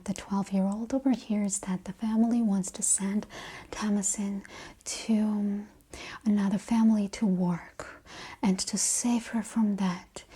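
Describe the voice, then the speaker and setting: A woman speaking softly in a breathy, often whispered ASMR voice, chatting in a sassy, exasperated, conversational way. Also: mid-range voice. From Russia. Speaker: host of an ASMR film review show. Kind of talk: softly spoken ASMR rant and chit-chat.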